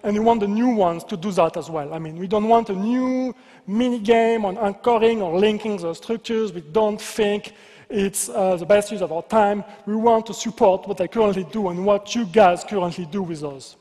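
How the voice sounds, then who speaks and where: A man with a French accent presents to a crowd as a game designer, joking at his own expense as he goes. His voice sits fairly high. He speaks into a stage microphone, and the sound rings out with the long reverb of a large convention hall. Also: moderate pace, warm tone. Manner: playful, self-deprecating, joking asides. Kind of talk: conference presentation.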